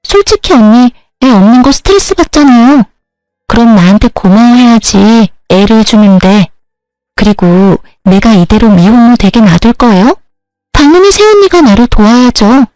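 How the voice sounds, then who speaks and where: A woman's voice: expressive, moderate pace, warm tone, dry recording, natural voice, low-quality recording. A woman doing a brazen, entitled young sister-in-law. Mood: mocking. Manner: shrill and mocking.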